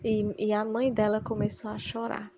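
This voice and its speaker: A woman's voice: medium pitch, monotone, moderate pace, noisy background. A middle-aged woman giving a religious testimony, retelling events in a repetitive, emphatic way. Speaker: church member giving testimony. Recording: dull lo-fi recording.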